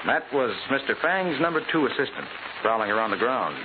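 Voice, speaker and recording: An actor playing a confident private detective in 1940s radio style, explaining things precisely with an American accent. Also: male voice, mid-range voice, expressive, fairly quick, narrow, tinny audio, lightly acted. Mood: assured, explanatory. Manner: precise, expository, authoritative. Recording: hissy, band-limited 1940s radio recording.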